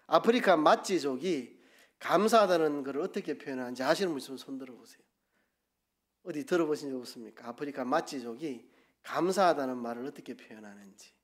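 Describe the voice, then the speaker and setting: A man with a Gyeongsang accent preaching a sermon as pastor, asking the congregation questions and leading them in call-and-response. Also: medium pitch. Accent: Gyeongsang Korean.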